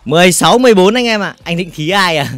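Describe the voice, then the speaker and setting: A man livestreaming a game in casual chat, reading out viewer comments and teasing them, often repeating words in quick bursts. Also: sits high, expressive, fairly bright tone, dry recording. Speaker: gaming livestreamer.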